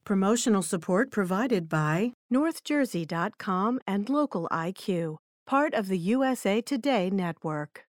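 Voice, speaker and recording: A woman announcer reading scripted funding credits in an even, formal tone. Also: medium pitch, unhurried, few pauses, no echo, clean studio sound.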